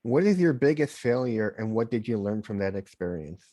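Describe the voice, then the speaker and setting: A man's voice: fairly low pitch, sing-song, normal speed, dark tone, no echo, clean studio sound. A man hosting a podcast interview, asking questions plainly and chatting casually. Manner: direct, reads questions plainly. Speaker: podcast host.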